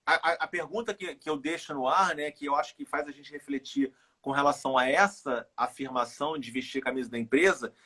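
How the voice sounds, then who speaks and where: Middle-aged Carioca man, husky and a bit high, thoughtful guest who circles back on his words. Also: a bit bright. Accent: Carioca Brazilian Portuguese. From Rio de Janeiro, Brazil. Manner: reflective, halting, repeats words while thinking. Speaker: guest, runner and author. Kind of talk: casual live interview chat.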